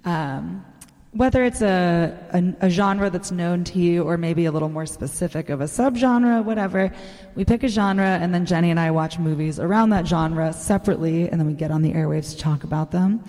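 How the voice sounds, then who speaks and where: A woman's voice: lowish voice, moderate pace, dark tone. A woman hosting a casual radio chat, her voice caught in an accidental cave-like reverb effect, talking with lots of ums and restarts. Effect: accidental cavernous reverb on her mic. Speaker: radio show host. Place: community radio studio. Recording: echoey cave-like reverb on studio mic.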